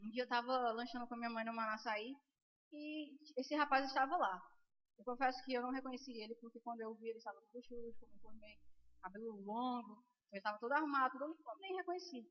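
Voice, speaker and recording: Fast, high-voiced Brazilian woman preaching. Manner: animated storytelling, acts out dialogue, bursts of loud praise. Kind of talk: sermon testimony. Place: church hall. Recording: dull lo-fi recording in a reverberant church hall.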